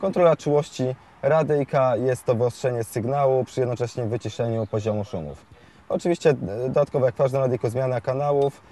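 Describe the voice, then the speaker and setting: Mellow-voiced young man explaining, haltingly. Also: mid-range voice. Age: 20s. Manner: halting, hesitant delivery with frequent fillers and repeated words. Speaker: CB radio shop expert. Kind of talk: explanatory product tutorial, unscripted. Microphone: lapel mic.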